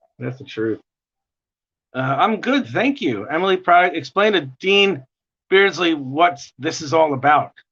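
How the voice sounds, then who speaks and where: Speaking at a moderate pace, a man with a strong New York accent has a high voice. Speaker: artist livestreaming drawing. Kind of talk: casual livestream chat. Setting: livestream. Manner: animated.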